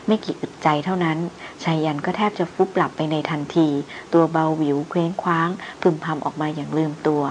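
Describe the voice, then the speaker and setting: A woman narrator reading a novel aloud in a steady, even storytelling manner. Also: deep voice, a little fast, few pauses, a little hiss or hum, rough recording. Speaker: audiobook narrator.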